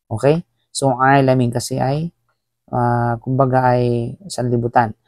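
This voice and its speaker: A man teaching Tajweed online, chanting verses slowly and patiently correcting mistakes. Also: medium pitch, a little mellow, dry recording, clean studio sound. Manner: slow drawn-out recitation between quick explanations. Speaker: Quran recitation teacher.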